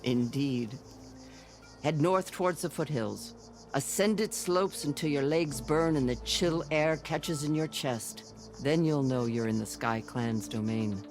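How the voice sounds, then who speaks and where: An actor playing a formal tribal warrior in a video game, giving measured, instructive briefings. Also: male voice, mid-range voice, over music, lightly acted. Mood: solemn, instructive. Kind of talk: dramatic video game acting.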